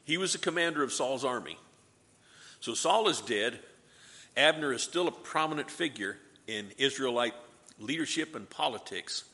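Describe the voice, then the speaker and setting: Man teaching Bible class with a bright voice. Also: mid-range voice, expressive, moderate pace, big-room sound. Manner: asks the class questions and answers them himself; light joking asides. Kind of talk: Bible class review lesson.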